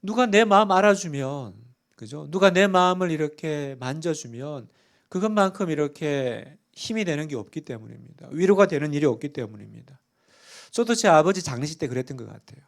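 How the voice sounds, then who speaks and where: A man's voice: a little high, lively intonation, brisk. A middle-aged man, a pastor, preaching a sermon in a church and often putting questions to the congregation. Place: church sanctuary.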